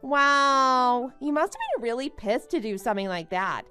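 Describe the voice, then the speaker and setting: Casting: actress as smug bride-to-be for animated story drama, high and very animated, gloating and condescending. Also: female voice, normal speed, faint music behind. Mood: incredulous, mocking. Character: smug, boastful young bride who taunts her friend. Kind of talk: melodramatic animated-story voice acting.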